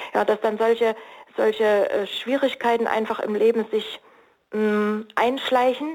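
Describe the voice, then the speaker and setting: Pitched fairly high, a woman speaks in a normal speaking voice with fairly even intonation. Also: fairly slow pace. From East Germany. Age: 50s. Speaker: marriage counselor and coach. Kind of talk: radio interview. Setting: remote line from home.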